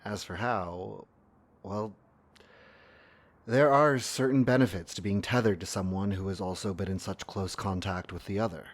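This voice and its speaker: Deep-voiced, weary, gentle man played by an actor. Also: normal speed. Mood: knowing, gentle. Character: weary, ailing, gently knowing man, protective partner. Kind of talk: fiction podcast acting.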